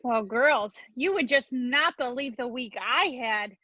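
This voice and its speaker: A woman's voice: fairly high pitch, a little slow, lo-fi sound, background noise, natural voice. A woman playing a chatty, politely cheerful Midwestern mom with a Minnesotan accent in a comedy sketch reading. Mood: folksy, deadpan.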